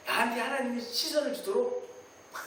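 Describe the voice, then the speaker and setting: A man preaching a Sunday sermon as senior pastor, animated, acting out prayers and God's replies in quoted voices. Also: very high voice, brisk, slight background noise. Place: church sanctuary. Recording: distant mic in a very echoey church hall.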